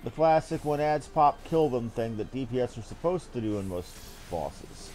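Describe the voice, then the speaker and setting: A man's voice: medium pitch, expressive, moderate pace, dark tone, faint music behind. A man giving casual live commentary while streaming a game, with a wry, mildly profane way of talking.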